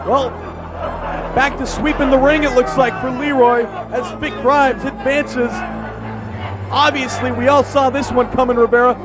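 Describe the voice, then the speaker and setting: A man giving excited, exclamatory live wrestling commentary as play-by-play announcer, often shouting. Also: very high voice, normal speed, over music. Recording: noisy arena, loud crowd. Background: loud wrestling crowd.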